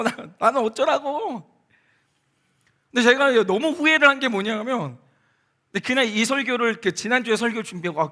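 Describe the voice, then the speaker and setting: Bright, animated Korean pastor preaching. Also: male voice, extremely high pitch. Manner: storytelling, quoting people in softer voices, bursts of emotion. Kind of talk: Sunday sermon. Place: church sanctuary.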